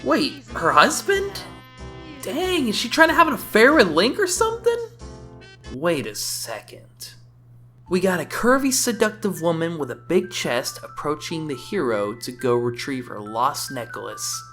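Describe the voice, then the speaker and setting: A woman's voice: on the low side, sing-song, measured pace, a bit bright. A woman giving casual, sarcastic reaction commentary as a video game reviewer, often exclamatory. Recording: voice-over with faint game music.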